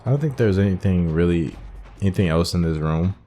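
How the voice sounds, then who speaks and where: Deep-voiced man doing gameplay commentary. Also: animated, a little fast, warm tone, slight background noise. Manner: thinking aloud, explanatory. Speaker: gaming host. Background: game audio with faint music.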